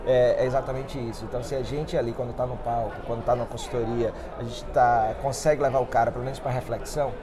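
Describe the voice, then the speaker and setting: A man's voice: mid-range voice, little pitch movement, fast, few pauses. A man hosting a podcast interview, talking in a chatty, informal way with restarts. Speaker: podcast host. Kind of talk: casual interview. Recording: crowd noise behind.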